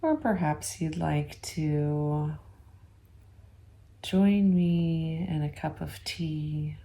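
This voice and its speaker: Very slow, low, soft-spoken woman. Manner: gentle, unhurried, with long pauses. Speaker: reiki practitioner leading guided meditation. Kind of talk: ASMR guided meditation, slow and soothing.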